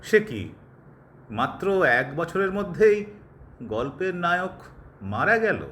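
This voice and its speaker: An actor playing a touchy, impatient doctor in an audio drama, speaking in a clipped way peppered with English words. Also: male voice, high voice, very animated, slow, fairly bright tone, a little hiss or hum, heavily acted. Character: touchy, impatient young doctor, bored and uneasy listener. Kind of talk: Bengali audio drama acting.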